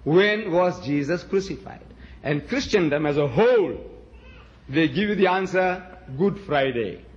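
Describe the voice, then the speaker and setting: A man's voice: a little high, animated, unhurried, muffled recording. A man whose first language is Gujarati, giving a rhetorical public lecture and pressing the audience with repeated questions. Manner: emphatic, repeats questions to the crowd.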